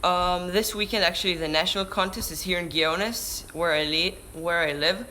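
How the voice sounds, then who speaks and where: A teen guy from Israel with a Hebrew accent, a surfer vlogger, has a high, pushed and bright voice at a moderate pace. In a live stream Q&A he reads chat questions aloud and answers them chattily, restarting words mid-word. The low-quality recording, made indoors by a window on a camera-mounted shotgun mic, has a little hiss or hum.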